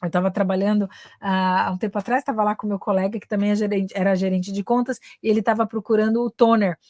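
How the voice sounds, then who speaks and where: A woman's voice: medium pitch, level tone, fast talker, a little mellow, dry recording, studio quality. A woman from Brazil with a Brazilian Portuguese accent, giving a casual live-stream English lesson, chatty and dropping English phrases into her talk. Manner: chatty, tags sentences with "né" and mixes in English phrases. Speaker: English teacher.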